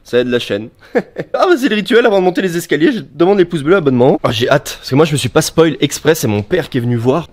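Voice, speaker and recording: A young man with a slightly high voice chats his way through the half-built attic rooms of his house. He talks loosely in slang and laughs often. He films himself on a handheld camera indoors. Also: animated, quick pace, a little mellow. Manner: slangy and chatty, laughs often between remarks. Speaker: YouTuber showing his house renovation. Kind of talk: casual vlog walkthrough.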